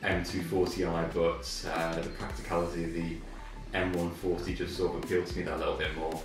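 A young Englishman with a low voice chats casually, pausing often mid-sentence. The room is very echoey, the mic sits at a distance and faint music plays behind him. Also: completely flat delivery. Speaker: interviewee, car owner. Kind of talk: casual chat while playing a video game. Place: living room, indoors.

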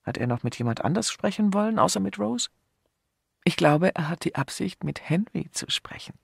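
A prim, discreet hotel receptionist woman, as a male audiobook reader puts her on, her lines pitched a little higher than his own voice. She speaks hesitantly, with a creaky, husky edge and a dry close sound. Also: expressive, normal speed, dry recording, heavily acted. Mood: unsure.

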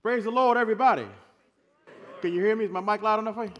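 A middle-aged man preaching as a guest pastor, loud and emphatic, calling for responses from the congregation. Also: high-pitched, quick pace, muffled recording. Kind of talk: sermon. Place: church stage, large sanctuary.

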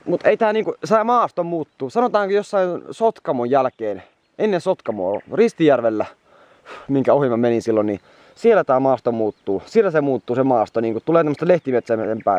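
On a moped trip, a worn-out young man talks casually to the camera in a rambling travel vlog full of swearing. He has a medium, slightly mellow voice; there's no echo, and the high frequencies are cut off.

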